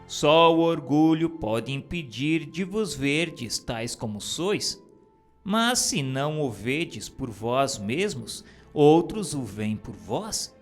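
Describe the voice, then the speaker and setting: A man giving a measured, solemn reading of a spiritist book. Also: mid-range voice. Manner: measured, solemn, deliberate phrasing.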